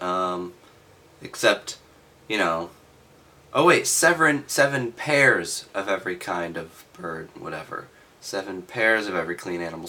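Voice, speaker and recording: A man reading aloud and adding halting, offhand, skeptical commentary with sardonic asides. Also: deep voice, sharp tone. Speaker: reader and commentator.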